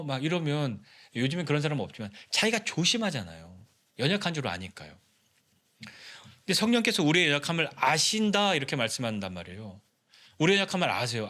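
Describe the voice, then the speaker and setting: A man's voice: a little high, a bit bright. A male pastor preaching a sermon in a conversational style, asking the congregation many rhetorical questions. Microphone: Zoom recording.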